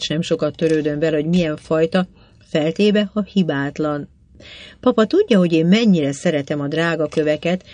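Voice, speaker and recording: A woman reading aloud, voicing a young wealthy woman who adores jewels, with a bright, breathless and eager sound. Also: lowish voice, natural voice.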